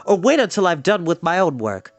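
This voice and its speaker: A man's voice: high-pitched, sing-song, brisk, no echo, voice pushed up. A man voicing a proud, hot-tempered teenage farm boy with a defiant manner in a storybook reading. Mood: indignant, defiant. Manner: defiant, indignant.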